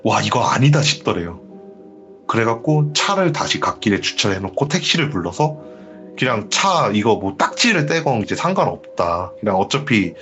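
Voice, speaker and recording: Lively man retelling a ghost story. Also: fairly low pitch, normal speed, dull audio, soft background music. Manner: animated storytelling, acting out quoted lines. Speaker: horror story radio host.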